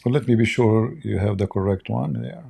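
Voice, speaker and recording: A man hosting a casual livestream, hoarse from losing his voice and joking as he rambles along. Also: lowish voice, fairly quick. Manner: joking, rambling while fiddling with software. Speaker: livestream debate host.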